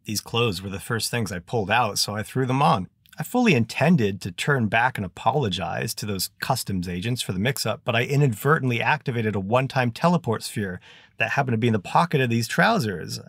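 Guy doing a pompous wordy gentleman rogue, higher and louder than the narration, dry sound. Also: expressive, fairly quick, vocal fry, slightly rough, no room sound, full character voice. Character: verbose gentleman adventurer man, pompous.

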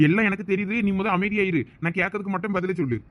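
A pushy, coaxing young lover played by a man who talks fast in a fairly high voice. He has a Thoothukudi Tamil accent and keeps pressing his point in a homemade comedy skit. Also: lo-fi sound, natural voice. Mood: insistent, coaxing.

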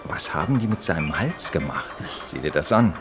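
Ein Mann spielt in einem deutschen Hörspiel einen trockenen, lässig-knurrigen Kriminalbeamten. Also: male voice, deep voice, very animated, moderate pace, over music. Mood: grim. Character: wry male police detective, teasing his partner. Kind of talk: German audio drama acting.

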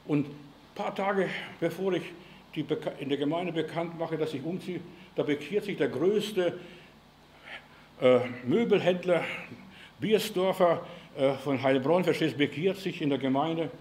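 A middle-aged pastor with a high voice, lively and unpredictable as he preaches. He jumps from loud emphasis to near-murmured asides and keeps checking in with his congregation. A faint hiss of room noise sits under his sermon. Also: unhurried. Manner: lively preaching with sudden loud and quiet turns, frequent "ja?" and "verstehst du".

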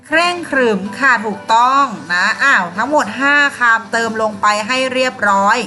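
A woman teacher with a bright, forceful voice pitched a little high, patiently walking pupils through workbook answers. She calls on children one by one, praises them warmly, and nudges them along with gentle reminders. Soft music plays faintly behind her. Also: moderate pace. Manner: encouraging, calls on pupils by name, frequent polite particles. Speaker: primary school Thai teacher. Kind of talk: classroom exercise walkthrough.

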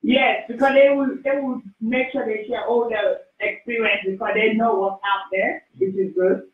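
A woman calling in to a radio talk show, speaking haltingly with loose phrasing and fillers. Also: fairly high pitch, fairly even intonation, recorded from a distance. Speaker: caller. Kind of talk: phone-in call. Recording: tinny phone line through echoey studio.

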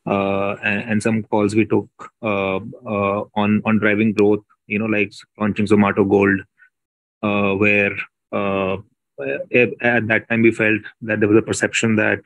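A man speaking as a company executive, giving measured, hesitant answers on an earnings call. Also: lowish voice, little pitch movement, fairly bright tone, dry recording, poor audio. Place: conference call.

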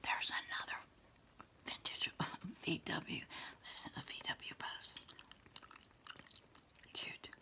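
Slow whispering woman, ASMR. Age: middle-aged. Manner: soft, unhurried whispering, reading short phrases aloud. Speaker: ASMR roleplay host. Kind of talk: ASMR, quiet whispered roleplay.

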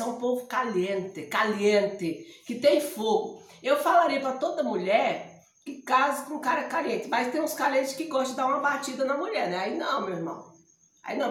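A middle-aged woman from Ceará with a northeastern Brazilian accent, hoarse, chatting and joking to camera in her home vlog. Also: sits high. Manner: joking, chatty, laughs often. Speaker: vlogger. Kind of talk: casual chat to camera. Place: small room indoors at home. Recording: echoey room.

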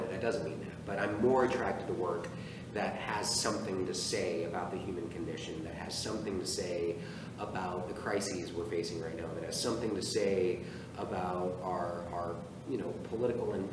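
A theater artistic director, appearing as a guest, chats casually in an interview on a theater stage, gesturing with his hands as he speaks. He's animated, restarts often, and has a low voice, captured by a far-off camera mic in an echoey, noisy space.

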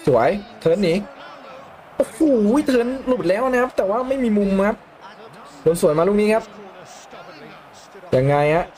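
A young man commentating his own football video game match, calmly explaining tactics between loud excited outbursts. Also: high-pitched, moderate pace, long pauses. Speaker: gaming YouTuber. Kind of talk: live gameplay commentary.

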